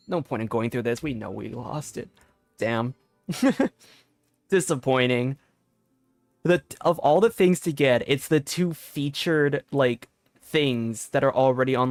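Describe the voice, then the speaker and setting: A young man chats casually with his viewers while streaming a game, easily breaking into laughter and excited outbursts. His voice sits at an ordinary middle pitch and sounds close and dry on a desk mic. Faint music plays behind him. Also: no room sound. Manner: chatty, talks to viewers, bursts into laughter and excited shouts. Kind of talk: casual gaming livestream chat. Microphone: desk mic with limiter filter.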